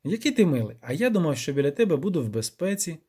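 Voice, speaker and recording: A man doing an excitable cheeky poet. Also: on the high side, fast talker, slightly rough. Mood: excited. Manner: mocking, exclaiming. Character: excitable young male poet, cheeky and dramatic.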